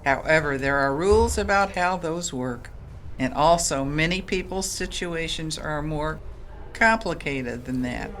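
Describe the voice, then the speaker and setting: An actress playing a kindly, patient Catholic sister in an audio drama, explaining things gently. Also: female voice, low voice, slight background noise, heavily acted.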